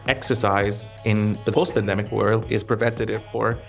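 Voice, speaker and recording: A middle-aged man from Egypt, a pharmaceutical executive, talking in an interview in a measured, reflective way with frequent restarts. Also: on the low side, level tone, creaky, faint music behind. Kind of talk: interview conversation.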